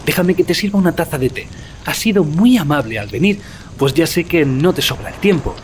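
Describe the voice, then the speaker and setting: Casting: male actor as earnest young student, secretive and anxious, highish swooping voice, audio drama with noisy ambience. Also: animated, a little fast, lightly acted. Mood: cordial, uneasy.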